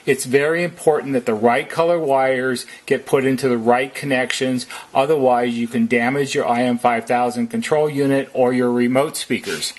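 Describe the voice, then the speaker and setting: A man giving methodical, step-by-step instructions as a repair technician, in a deliberate how-to narration. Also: mid-range voice, steady tone, husky, poor audio.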